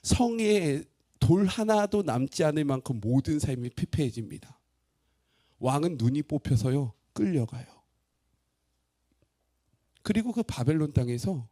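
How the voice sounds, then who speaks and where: A male pastor preaches a sermon expressively, putting questions to his congregation and swinging between loud and hushed delivery. His voice is a little high.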